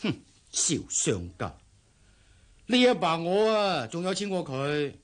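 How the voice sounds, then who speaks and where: A man's voice: a little high, sing-song, slow pace. An actor playing a shrewd, money-minded middle-aged father who lectures his daughter, speaking with a Hong Kong Cantonese accent in a radio drama. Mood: lecturing. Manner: lecturing, scornful.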